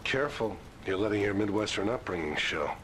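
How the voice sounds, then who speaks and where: Old archival recording, far off: a calm, dry officer with a lowish voice. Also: male voice, brisk, slight background noise. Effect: played back as an archival recording. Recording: archival recording, distant and quiet.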